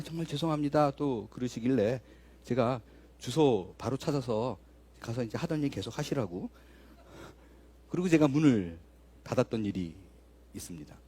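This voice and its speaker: A high-pitched male pastor in his fifties tells a story from the pulpit, chatty and vivid, acting out the scene as he goes. His voice is close and dry, with no room echo. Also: a little mellow, breathy edge. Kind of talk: sermon storytelling.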